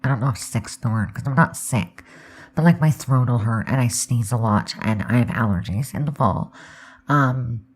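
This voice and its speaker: Hoarse, very low-voiced woman. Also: moderate pace. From Canada. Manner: rambling, candid, lots of um and like. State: hoarse, scratchy sore throat. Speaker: Sims speed build creator. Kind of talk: casual voiceover chat.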